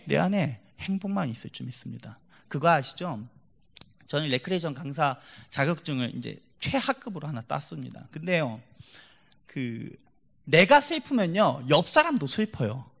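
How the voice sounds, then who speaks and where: Guy preaching in church, kinda high voice, super lively, acts out stories, goes loud then quiet. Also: moderate pace, gravelly. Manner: animated storytelling, acts out quoted voices, swings from loud to hushed. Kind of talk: sermon.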